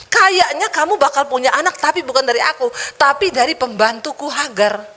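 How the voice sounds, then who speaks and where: An aging wife insists, slowly and bluntly, that a child is impossible, as a woman preacher acts her out. The voice sits fairly high and deliberate. The sound carries a long hall reverb. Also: bright, forceful tone. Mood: doubtful. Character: elderly biblical wife, doubtful and blunt.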